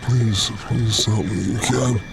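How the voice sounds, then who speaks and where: A man playing a weary, desperate gelatinous creature in an audio drama, speaking gravely and haltingly with a gravelly, wheezy voice. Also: on the low side, fairly even intonation, very noisy. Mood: desperate, hopeful. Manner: slow, grave, halting delivery. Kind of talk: audio drama character acting. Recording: voice under loud background music.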